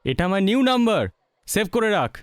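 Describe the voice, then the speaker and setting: A man's voice: sits high, very animated, fairly quick, clean tone, dry recording, clean studio sound. An actor playing an impatient young man who presses a friend to meet him, in film dialogue. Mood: insistent. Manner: insistent, coaxing. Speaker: film character.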